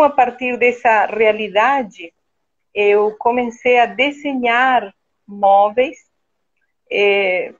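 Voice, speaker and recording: A woman with an Argentine Spanish accent, a guest architect speaking slowly and hesitantly with many fillers in a casual conversation. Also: a little high, dull audio. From Argentina (Buenos Aires), born in Brazil. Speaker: guest, architect and interior designer.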